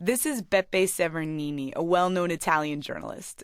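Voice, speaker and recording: An unremarkable speaking voice from a woman with an American accent, fairly low pitch, ordinary pitch variation and a moderate pace, in a very clean recording with a silent background. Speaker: radio reporter. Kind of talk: public radio news reporting.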